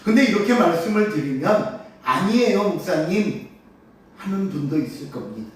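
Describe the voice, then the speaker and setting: A male pastor delivering an expository Sunday sermon in a high voice with a lively, rising and falling delivery. He poses rhetorical questions and calls on the congregation to read scripture aloud. The sound is caught from a distance in a very echoey sanctuary. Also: brisk. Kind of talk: Sunday morning sermon, expository Bible teaching. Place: church sanctuary during a worship service.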